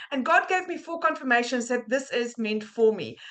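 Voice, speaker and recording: A woman with a South African accent speaks at a moderate pace in a raised, projected voice, her high pitch and bright, sharp tone carrying ordinary pitch variation. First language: Afrikaans. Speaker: digital marketer. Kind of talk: testimony. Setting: live webinar. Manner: halting.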